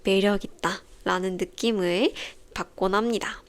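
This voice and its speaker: A young woman hosting a podcast for language learners, explaining in a calm, clear, carefully paced scripted way. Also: medium pitch, measured pace. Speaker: Korean teacher podcast host.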